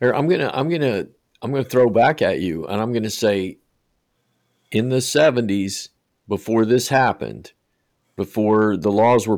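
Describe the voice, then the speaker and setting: Speaking at a moderate pace in an American accent, a man with a normal speaking voice and fairly low pitch shows ordinary pitch variation on a very clean recording with a silent background. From US, West Virginia. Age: 50s. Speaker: podcast host. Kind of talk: casual chat.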